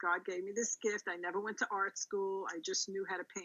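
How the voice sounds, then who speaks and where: A woman speaks at a medium pitch with a Brooklyn accent. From New York, Brooklyn. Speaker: painter and grief support group leader. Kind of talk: casual interview with painting demo. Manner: hesitant, many fillers.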